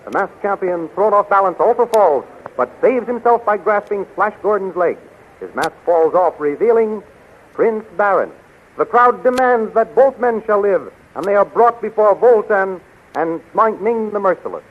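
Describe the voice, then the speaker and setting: A man's voice: high-pitched, expressive, normal speed. A man narrating and announcing a radio serial in a dramatic, declamatory 1930s style. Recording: tinny, noisy 1930s radio recording.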